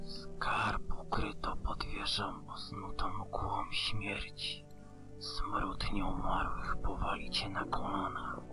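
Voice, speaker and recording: A man's voice: deep voice, monotone, takes it slowly. An actor playing a twisted old male hermit who speaks in cryptic, ominous whispers, in a game. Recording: game audio with music underneath.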